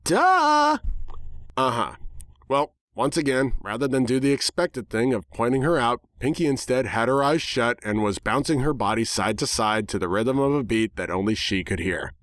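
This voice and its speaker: A man narrating a first-person story dramatically, with a wry, sarcastic and animated delivery. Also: medium pitch, moderate pace, hardly any pauses, dry recording, clean studio sound.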